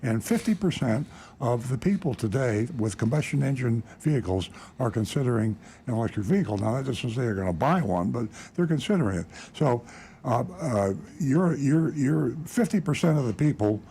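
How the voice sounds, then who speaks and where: Older man, radio host, dark mellow voice, rambling folksy talk, faint noise behind. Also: mid-range voice, lively intonation, normal speed. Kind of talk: radio talk show chat.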